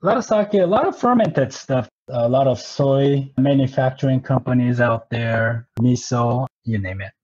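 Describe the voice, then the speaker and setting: A man's voice: medium pitch, lively intonation, normal speed, hardly any pauses, a little mellow, husky, highs cut off. A man in his thirties from Japan who grew up partly in Southern California, talking conversationally as an interview guest. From Japan, moved to Southern California at twelve. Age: 30s. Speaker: interview guest, sake company representative.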